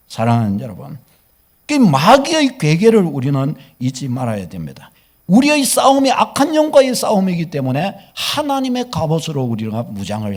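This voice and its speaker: A middle-aged man preaching a sermon in church, asking the congregation rhetorical questions and swinging between loud emphasis and quiet asides. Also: high-pitched. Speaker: pastor. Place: church sanctuary.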